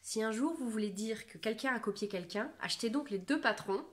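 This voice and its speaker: A woman from France chats away about her knitting projects in a casual, meandering way. Her voice sits slightly higher than most, and she keeps breaking into fillers and teasing herself. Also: lively intonation, fairly quick. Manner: chatty, rambling, self-mocking with many fillers. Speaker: knitting vlogger. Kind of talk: casual chat to camera.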